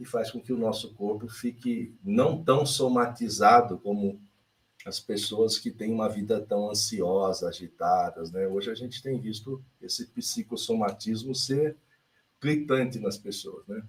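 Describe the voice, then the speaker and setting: Somewhat breathy speech at a fairly slow pace. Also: man, medium pitch for a man, ordinary pitch variation. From Brazil, Barretos (São Paulo interior). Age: 60s. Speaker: pastor. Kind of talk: TV interview.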